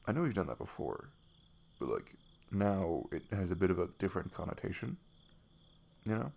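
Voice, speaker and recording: Man acting as a low-voiced, creaky, bashful best friend. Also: big pitch swings, exaggerated voice. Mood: earnest, careful. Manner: halting, giggly, soft-spoken. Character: shy, affectionate young male best friend, cuddly and nervous. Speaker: audio roleplay performer. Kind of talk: intimate ASMR roleplay acting. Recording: faint noise, night crickets behind. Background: crickets and night insect ambience.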